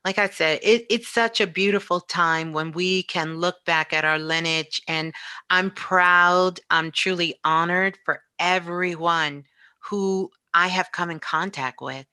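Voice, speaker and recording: A middle-aged woman talking casually as a guest in a spiritual interview, expressive and emphatic, repeating phrases to drive them home. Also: on the low side, unhurried, clean tone, dry recording. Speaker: guest, online radio show host.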